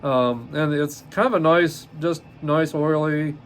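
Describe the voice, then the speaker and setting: A man in his fifties hosting a solo podcast, reading from notes in a halting way with many ums and uhs and frequent self-corrections. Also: a little high, slight background noise. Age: 50s. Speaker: podcast host.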